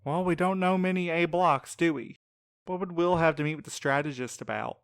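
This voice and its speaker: A man's voice: fairly high pitch, brisk, a bit bright, clean tone, no room sound. Snarky young male sidekick. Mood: teasing. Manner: dry, sarcastic, casual. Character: Milo, snarky, wisecracking, caffeine-bribed young male sidekick. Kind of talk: audio drama dialogue.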